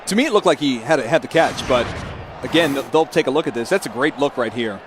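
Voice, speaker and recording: During a live American football broadcast, a man provides conversational color analysis in a medium-pitched, expressive, fast voice. He's in a broadcast booth with stadium noise behind him.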